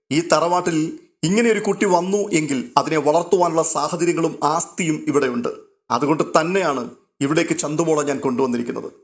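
A man's voice: fairly high pitch, close to an everyday voice. A man voicing a stern elderly grandfather who speaks firmly and formally, as in a storybook read aloud. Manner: scolding, firm and formal.

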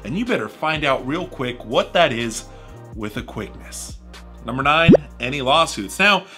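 A man in his thirties, a home renovation vlogger, giving jokey scripted advice to camera from a small home studio. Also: mid-range voice. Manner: animated, jokey, gestures widely with his hands.

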